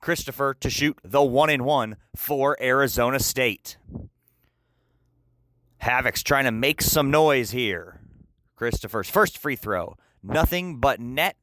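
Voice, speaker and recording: Young male sportscaster, bright forceful voice. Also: medium pitch, takes it slowly, no room sound. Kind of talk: interview questions and radio basketball play-by-play.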